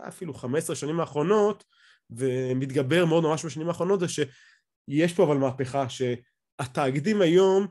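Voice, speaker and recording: Higher-voiced Israeli man lecturing. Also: a little mellow. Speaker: academic lecturer. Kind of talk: explanatory lecture over slides, speaking off the cuff. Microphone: video call.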